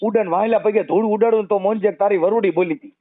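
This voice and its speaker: Man, high voice, Saurashtra Gujarati accent, outspoken and colloquial helpline adviser, thin phone-line sound. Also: fast talker. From Gujarat, India. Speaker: activist taking a help call. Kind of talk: informal phone counselling conversation. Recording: narrowband phone call audio.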